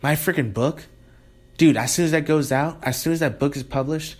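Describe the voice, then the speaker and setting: Speaking at a moderate pace in a somewhat high voice, a man rambles sarcastically through a casual monologue. He keeps cutting himself off with laughter and starting over.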